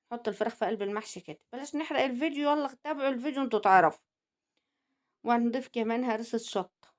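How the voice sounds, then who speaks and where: Egyptian woman hosting a home cooking channel, high voice, quick chatty delivery, middle-aged. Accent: Egyptian Arabic. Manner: chatty, teasing, addresses viewers directly. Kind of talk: cooking video narration.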